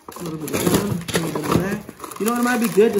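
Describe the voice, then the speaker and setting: A woman rushes through her words at a very fast clip against loud background noise. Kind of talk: casual vlog chat. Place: garage. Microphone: phone near.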